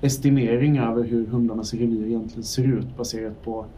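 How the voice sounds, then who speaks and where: Mellow-toned man running a tabletop game. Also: medium pitch, recorded from a distance, slight background noise. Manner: relaxed, with many fillers. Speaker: game master.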